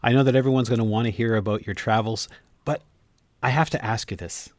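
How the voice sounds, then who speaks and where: A man's voice: mid-range voice, steady tone, fairly quick, dry recording. A man hosting a podcast, asking friendly questions. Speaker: podcast host. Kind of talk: interview hosting.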